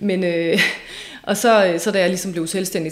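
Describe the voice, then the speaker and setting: Fairly even intonation shapes a woman's fairly low-pitched voice. Both audible room echo and noticeable background noise are present. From Denmark, South Zealand. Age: 40s. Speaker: Instagram influencer. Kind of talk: casual interview chat.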